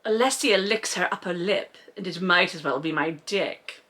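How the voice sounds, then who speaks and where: A woman's voice: on the low side, normal speed, bright, forceful tone. A woman hosting a comedic read-along, mocking a book with sarcastic, exaggerated emphasis and plenty of swearing. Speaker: host reading a book aloud and mocking it.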